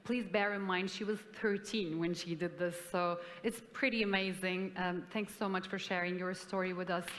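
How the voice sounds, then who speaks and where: A woman's voice: fairly low pitch, steady tone, normal speed, few pauses, slight background noise. Effusive woman moderator in a hall. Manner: warm, encouraging, effusive. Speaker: panel moderator. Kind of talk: moderating a panel discussion. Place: large conference hall. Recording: hall reverb, stage mic.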